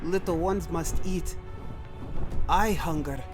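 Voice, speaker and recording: A man puts on an ancient winged beast, menacing and hungry. The phrases are terse and slowly intoned in a dramatic storytelling style, with music underneath. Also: a little high, pitched above the performer's own voice. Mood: hungry, insistent.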